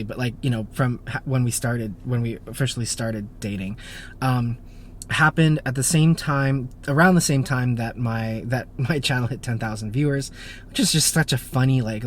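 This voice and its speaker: A man's voice: mid-range voice, slight background noise. A man in his thirties, born in Japan and raised in the United States, hosting a casual Q&A with lots of fillers and self-deprecating asides. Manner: chatty, self-deprecating, many fillers and restarts. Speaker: YouTube car channel host. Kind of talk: casual Q&A to camera.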